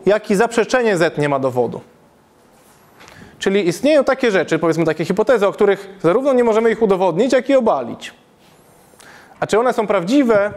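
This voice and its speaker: A man in his thirties giving a public math lecture in a classroom, thinking aloud and often checking the audience with a quick question. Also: sits high, darkish tone. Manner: thinking aloud, frequent self-corrections and "tak?" checks. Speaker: university lecturer. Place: classroom with chalkboard, indoors.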